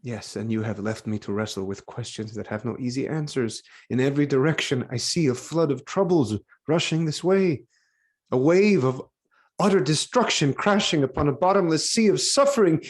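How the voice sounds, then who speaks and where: An actor playing a troubled, grave king in a live reading of Greek tragedy, with weighty, deliberate delivery. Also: fairly high pitch, natural voice. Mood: anguished, fearful. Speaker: actor giving a dramatic reading. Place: online video call.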